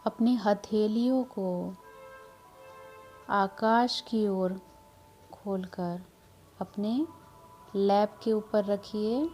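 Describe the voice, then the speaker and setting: A woman leading a guided meditation in a soothing, measured manner, leaving long pauses between short instructions. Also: medium pitch, fairly even intonation, mellow. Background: background music.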